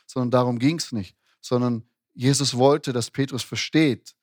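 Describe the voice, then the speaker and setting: A man's voice: mid-range voice, fairly even intonation, a little slow, darkish tone, no room sound, studio quality. A man preaching a sermon in a conversational way, with frequent restarts and tag questions. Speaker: pastor.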